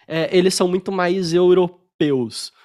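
Young Brazilian man, Brazilian Portuguese accent, raised pitch; easygoing podcast guest, filler-heavy storyteller, video-call sound. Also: a little slow. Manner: relaxed storytelling, frequent fillers. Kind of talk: casual interview chat.

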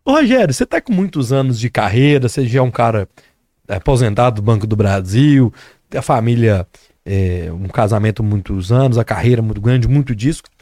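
A man's voice: medium pitch, animated, brisk, mellow, no room sound, clean studio sound. A Brazilian man in his forties hosting a podcast, asking long questions casually and repeating words as he gets them out. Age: 40s. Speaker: podcast host.

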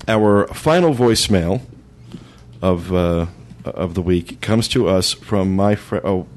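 A man hosting a podcast in a relaxed, chatty way, with frequent stumbles and restarts. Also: low voice, slow pace. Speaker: podcast host. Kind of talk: casual podcast chat.

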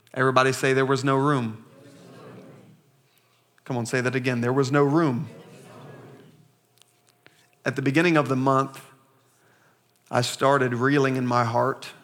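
A man in his thirties, a pastor giving a sermon with slow, emphatic scripture reading and call-and-response to the congregation. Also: mid-range voice, a bit bright. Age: 30s.

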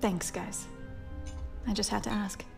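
Tired dutiful space captain, mid-range voice, plain and subdued, soft music behind. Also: female voice, medium pitch, steady tone, a little slow, gravelly. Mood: weary, earnest. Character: weary, dutiful female privateer ship captain. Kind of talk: science fiction audio drama acting.

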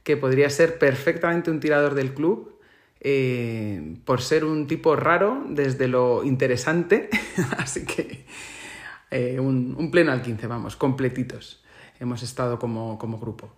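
A man from Spain with a Spain Spanish accent, giving a reflective solo monologue as a podcaster. He talks in a thoughtful way and often pauses to search for the right word. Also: mid-range voice.

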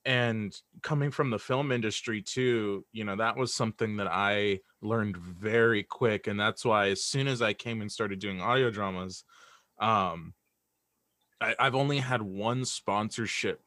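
Casting: young man as podcast guest, slightly deep voice, very dry recording, sincere and conversational, stumbling and repeating words while thinking. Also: a little slow, bright, forceful tone, no echo. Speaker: guest, audio drama creator. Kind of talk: casual interview chat.

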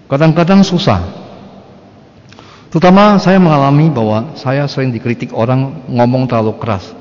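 A man's voice: medium pitch, normal speed, a little mellow. Older priest man giving a blunt chatty sermon, lots of "right?" questions, muffled sound with a long church echo. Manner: blunt, conversational preaching with rhetorical questions. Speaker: Catholic priest.

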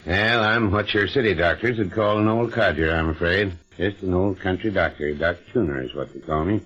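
Old retired country doctor: genial, evasive, folksy, low-pitched, on a muffled radio-play recording. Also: male voice, moderate pace, fairly bright tone, husky. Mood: genial, reminiscing. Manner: folksy, soothing, insistent. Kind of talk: old-time radio drama acting. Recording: muffled vintage radio recording with music behind.

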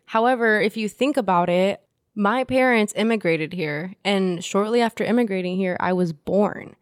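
A woman's voice: medium pitch, moderate pace, no echo, studio quality. A young woman from Indiana whose first language was Spanish, co-hosting a podcast in a candid, laughing casual chat. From Indiana, United States. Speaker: podcast co-host.

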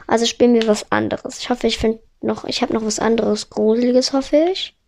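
A woman on a headset mic giving excitable let's play commentary, narrating every move and swearing when she fails. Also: fairly high pitch, a little fast, creaky. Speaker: gamer.

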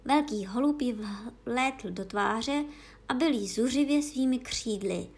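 A woman reading a storybook chapter aloud for children, clear and measured. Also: fairly high pitch.

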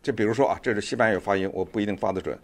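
A man's voice: fairly low pitch, rapid-fire. A man giving casual, chatty online commentary, rambling a bit and using lots of fillers.

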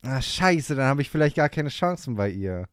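A man co-hosting a casual podcast, blunt and joking, with loud reactions. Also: medium pitch, big pitch swings, normal speed, clear, resonant tone, no room sound, clean studio sound. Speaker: podcast co-host. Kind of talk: casual chat.

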